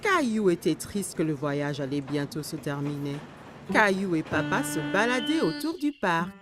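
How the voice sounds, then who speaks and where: A woman's voice: lowish voice, big pitch swings, moderate pace, music in the background. A woman reading scripted children's story narration as the storyteller of a cartoon.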